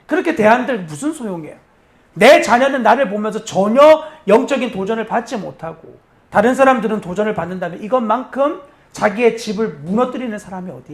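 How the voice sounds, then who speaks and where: A man in his thirties preaching a sermon in a church, telling a family story with quoted lines and asking the congregation direct questions. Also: extremely high pitch. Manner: lively storytelling, acting out children's and his own quoted lines. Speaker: pastor.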